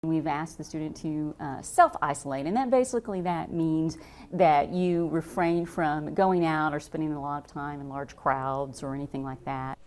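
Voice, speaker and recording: A woman's voice: sits low, normal speed, a little mellow. A woman explaining guidance in an unscripted interview soundbite.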